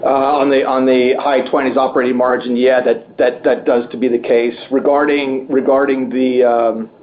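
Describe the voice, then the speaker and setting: A man, a company executive answering analyst questions on a conference call, speaking haltingly and often repeating words as he goes. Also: mid-range voice, flat delivery. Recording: muffled conference line with background noise.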